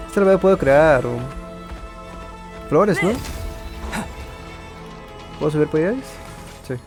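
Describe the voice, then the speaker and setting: A man's voice: on the high side, measured pace, over music. A man giving informal let's play commentary, muttering to himself casually as he plays. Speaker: gaming video creator.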